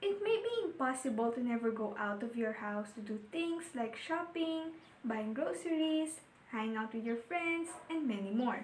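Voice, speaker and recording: Over noticeable background noise, a woman talks at a moderate pace in a high pitch that swings very widely. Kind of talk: student speech delivery.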